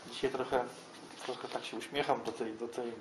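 A man's voice over light background noise. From northern Poland, Świnoujście; Poland. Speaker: former Jehovah's Witnesses circuit overseer, now church member. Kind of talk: interview answers, personal testimony. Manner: reflective, halting with fillers. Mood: calm, slightly amused. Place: home room. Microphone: camera far.

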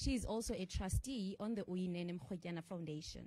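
Over a quiet background, a woman's somewhat breathy voice of medium pitch has a dark, mellow tone and ordinary pitch variation. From South Africa. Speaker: student leader, moderator; webinar host. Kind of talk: webinar moderation. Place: hall.

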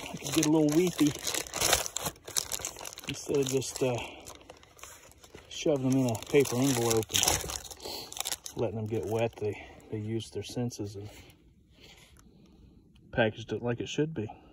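A man talks at a moderate pace with ordinary pitch variation, leaving long, frequent pauses. The sound is dry with no echo, though background noise is noticeable. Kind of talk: casual vlog chat. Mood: wry, pleased. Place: forest. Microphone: phone near.

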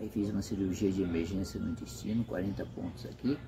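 Fairly low in pitch, a man talks with ordinary pitch variation. Noticeable background noise is present. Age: 60s. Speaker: car mechanic. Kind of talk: personal testimony. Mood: earnest, somber about hardships. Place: workshop. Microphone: phone near.

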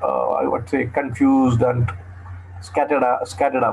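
With music in the background, a man with an Indian accent speaks at a fairly slow pace in a medium pitch with ordinary pitch variation. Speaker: theatre talk series host. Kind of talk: moderated webinar. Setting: video call. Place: home room. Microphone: webcam.

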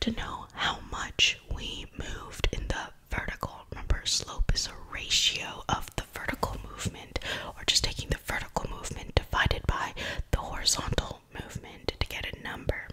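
Soft-spoken whispering with big swings in loudness over light background noise. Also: woman, moderate pace. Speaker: math tutor. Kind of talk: tutorial. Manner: soft ASMR whisper, explaining calmly. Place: home room. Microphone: studio mic.

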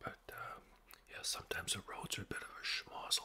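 A man whispering. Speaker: home vlogger. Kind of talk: casual vlog chat. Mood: relaxed reminiscing. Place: home room. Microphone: studio mic.

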